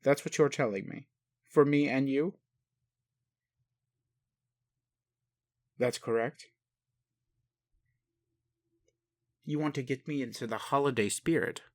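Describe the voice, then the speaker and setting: A man playing a bemused, gentle and naive male alien caregiver in an intimate roleplay audio, speaking hesitantly and haltingly. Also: medium pitch, no room sound, natural voice. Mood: incredulous, then overwhelmed, appreciative. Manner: hesitant, puzzled, halting, sighing. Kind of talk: intimate one-sided roleplay audio acting.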